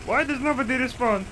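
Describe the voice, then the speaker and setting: A young man gaming with friends over voice chat, bossy and mock-pompous as squad leader. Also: very high-pitched. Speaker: gamer. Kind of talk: playful in-game voice chat. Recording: game engine noise behind.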